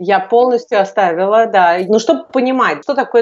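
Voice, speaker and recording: An ordinary speaking voice from a woman, moderate in pace and with ordinary pitch variation. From Moscow, Russia. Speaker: business coach and property investor. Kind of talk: podcast interview.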